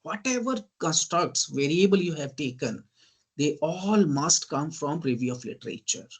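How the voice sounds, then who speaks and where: A man with an Indian English accent, giving an online teaching lecture. He keeps asking "right?" and often says "ladies and gentlemen.". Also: a little high, animated, moderate pace, slightly rough. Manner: lists terms in emphatic bursts. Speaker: guest lecturer.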